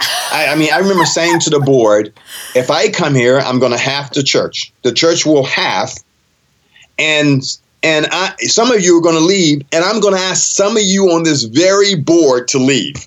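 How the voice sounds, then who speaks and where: This is a man with an American accent and an ordinary speaking voice. His pitch is fairly high and his intonation lively. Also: moderate pace. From Washington DC area (born Bronx, New York). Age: 50s. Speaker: pastor. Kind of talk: interview.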